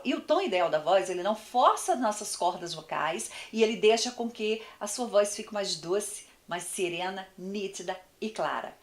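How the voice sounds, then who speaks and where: A woman teaching an online communication course, speaking straight to the viewer and acting out examples. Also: mid-range voice. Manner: didactic, addresses the viewer directly, acts out examples.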